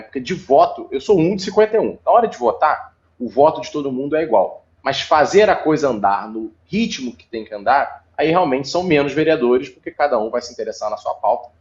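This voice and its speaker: A man's voice: mid-range voice, muffled recording. A man from Brazil, a city councilman giving long explanatory interview answers with many fillers.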